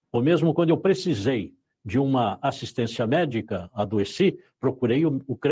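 The speaker is a man with a dark, mellow tone. His voice is somewhat breathy against a quiet background. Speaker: council president. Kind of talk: formal speech. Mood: firm, explanatory. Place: studio. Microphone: lapel.

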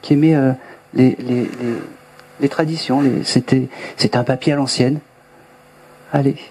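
Against light background noise, a man talks at a moderate pace with fairly even intonation. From Nice, southern France. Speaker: medium. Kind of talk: live mediumship session before an audience. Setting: stage with audience. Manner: halting. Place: hall. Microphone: handheld.

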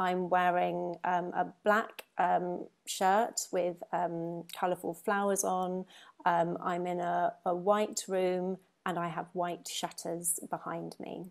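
Against a quiet background, a woman with a fairly low pitch speaks at a very slow pace in a monotone, flat intonation. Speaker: psychologist. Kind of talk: panel discussion. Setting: video call. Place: home room. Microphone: earbuds.

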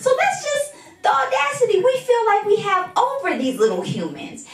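A woman's animated voice at a moderate pace, with ordinary pitch variation and audible room echo. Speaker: comedian. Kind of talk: stand-up comedy. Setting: studio. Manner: animated, sassy, chatty. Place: home room.

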